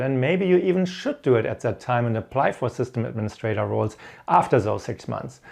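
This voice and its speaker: A man's voice: medium pitch, creaky, a little mellow. A middle-aged man from Germany with a German accent gives encouraging, explanatory career advice and tells stories from experience. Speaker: host of an IT career advice channel. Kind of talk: instructional talk with personal stories.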